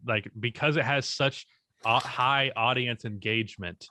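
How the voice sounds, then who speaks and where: A young man co-hosting a casual podcast, speaking in an even, unexpressive tone and swearing casually. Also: medium pitch, unhurried, a little hiss or hum. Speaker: podcast co-host and YouTuber.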